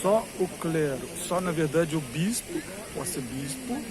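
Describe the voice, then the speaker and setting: A man's voice: on the high side, lively intonation, a little slow. A man with a Brazilian Portuguese accent gives rambling, informal commentary as a vlogger, explaining at length and repeating himself for emphasis. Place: among a crowd in a queue outside a cathedral. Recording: busy crowd noise with hiss. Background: crowd chatter.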